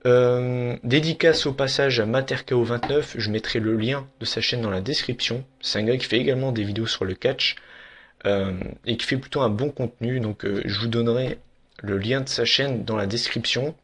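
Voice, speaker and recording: Young male vlogger, casual and outspoken, mid-pitched, halting with fillers. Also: breathy edge. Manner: frank, blunt, with many fillers and restarts. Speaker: YouTuber reviewing wrestling. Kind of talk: casual opinion vlog.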